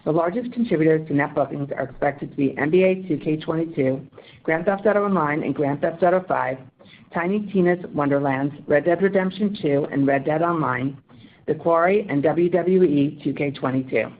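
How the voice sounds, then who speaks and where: Formal woman on a tinny phone line. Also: sits low. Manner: formal, measured. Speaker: company financial executive on earnings call. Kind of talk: scripted financial report reading.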